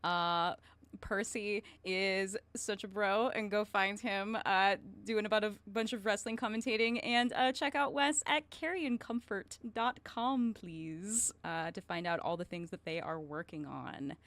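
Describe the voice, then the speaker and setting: A woman with a mid-pitched voice hosts a stream in an informal, chatty style. The sound is dry, with hardly any room in it. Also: fairly even intonation, unhurried, a bit bright, no echo. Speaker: stream host. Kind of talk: casual chat, introducing guests.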